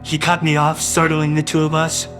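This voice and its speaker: A man's voice: fairly high pitch, completely flat delivery, moderate pace, fairly bright tone, soft background music. A man narrating a first-person audio drama in a wistful, doting way that grows uneasy.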